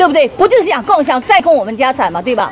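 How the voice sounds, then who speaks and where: A woman's high voice swings very widely in pitch over crowd noise in the background. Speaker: homeowner confronting city officials. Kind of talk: heated street argument. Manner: impassioned, forceful. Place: street. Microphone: camera far.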